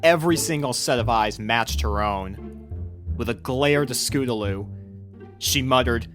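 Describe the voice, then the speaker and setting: A man's voice: medium pitch, measured pace. A man reading a fan fiction story aloud as its narrator, in scripted storybook narration. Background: background music.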